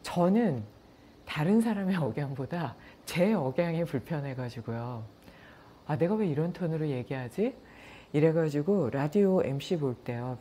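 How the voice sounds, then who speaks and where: Low, mellow-voiced woman telling stories calmly. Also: a little hiss or hum. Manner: anecdotal, calm, with acted-out quotes. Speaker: yoga and meditation teacher. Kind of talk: casual talk to viewers.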